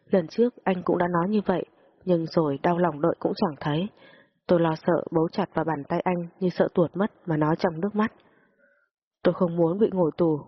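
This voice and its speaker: A woman reads a first-person story at a steady pace. Her voice is low and husky. The recording sounds dull and lo-fi. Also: a little fast. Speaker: story narrator.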